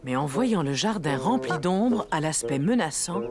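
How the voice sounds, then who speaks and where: A woman playing a gentle storybook narrator for a children's cartoon, telling the story expressively. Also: low-pitched, expressive, moderate pace, over music. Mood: storytelling.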